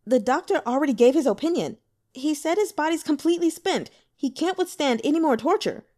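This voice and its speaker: A woman's voice: high voice, lively intonation, a little fast, dark tone, voice pushed up. Woman voicing an anxious young male subordinate. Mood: pleading.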